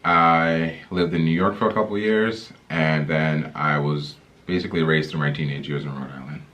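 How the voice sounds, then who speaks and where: A young man from the Dominican Republic chatting casually with his girlfriend on their vlog, easygoing and quick to laugh. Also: rumbling low, a little hiss or hum. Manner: easygoing, laughs a lot, lively intonation. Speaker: vlogger's boyfriend. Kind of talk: casual couple chat.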